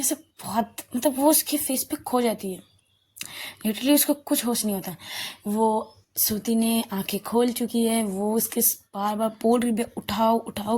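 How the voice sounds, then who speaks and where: A woman's voice: a little high, mellow, breathy edge. A young woman narrating a love story in a casual, chatty way, often correcting herself as she goes.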